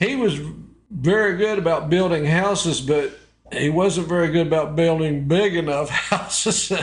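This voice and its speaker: A man with an Appalachian accent speaks at a high pitch, with ordinary pitch variation and very even loudness. Audible room echo and noticeable background noise fill the recording. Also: moderate pace. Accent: Appalachian American. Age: 70s. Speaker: podcast host. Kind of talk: casual chat. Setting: senior living center.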